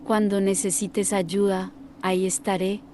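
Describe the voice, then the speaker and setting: A woman's voice: medium pitch, level tone, unhurried, a little mellow, a little hiss or hum, natural voice. A woman voicing a huge male demonic black cat who bargains for souls in a horror story. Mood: solemn bargaining.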